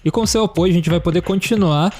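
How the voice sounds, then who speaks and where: A man's voice: high-pitched, quick pace, darkish tone. A man with a Brazilian accent hosting a podcast, delivering scripted announcements to listeners. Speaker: podcast host and producer. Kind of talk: scripted podcast introduction and appeal. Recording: clear music behind the voice.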